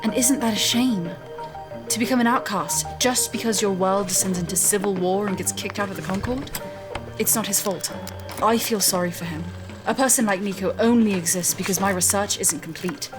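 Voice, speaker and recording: A driven, headstrong female scientist played by an actress in a sci-fi audio drama. She speaks assertively and articulately at a middle pitch, with clearly audible music underneath. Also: normal speed, close to an everyday voice. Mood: urgent, idealistic. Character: driven, headstrong woman scientist, proud and evasive.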